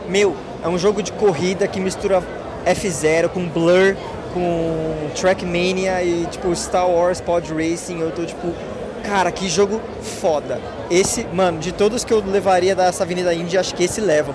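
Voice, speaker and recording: A young Brazilian man hosting a gaming podcast, talking casually and with excitement, full of slang. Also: high voice, moderate pace, crowd noise. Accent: Brazilian Portuguese. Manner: excited, slangy, gushing about games. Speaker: podcast host. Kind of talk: casual gaming podcast talk with on-site recordings.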